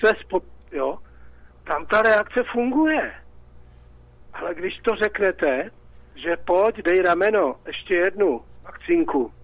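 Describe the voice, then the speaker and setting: Czech guy on a call-in show, kinda high voice, worked up, keeps repeating himself, dry muffled line. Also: animated, dry recording. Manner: agitated, repetitive, rhetorical. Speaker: caller. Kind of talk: call-in radio talk.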